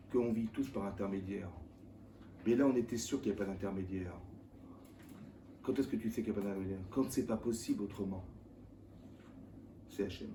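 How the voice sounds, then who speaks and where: Male rabbi, informal Torah class, animated, keeps quizzing the audience; roomy, distant recording. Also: lowish voice. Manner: colloquial and animated, firing rhetorical questions at listeners. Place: lecture room with live audience. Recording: echoey room, mic at a distance, faint background noise.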